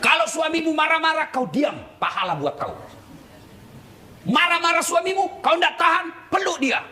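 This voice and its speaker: A man's voice: very high voice, moderate pace. A man preaching a sermon, joking with the crowd and firing rhetorical questions. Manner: animated, teasing, joking with the audience, rhetorical questions. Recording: echoey hall with background noise.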